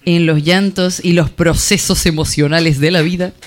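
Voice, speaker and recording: A trans singer-songwriter from Peru, speaking with a Peruvian Spanish accent, introduces themselves and a song on the radio. Their mid-range, steady voice comes across softly and haltingly, with many pauses. There's a little hiss or hum on the recording.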